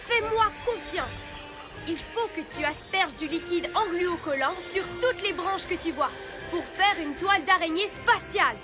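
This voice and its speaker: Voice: very high-pitched, a little slow. An actor playing a courageous little alien boy hero in a cartoon, eager and commanding. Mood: determined. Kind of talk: cartoon dub acting. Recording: loud music behind the voice. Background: cartoon music.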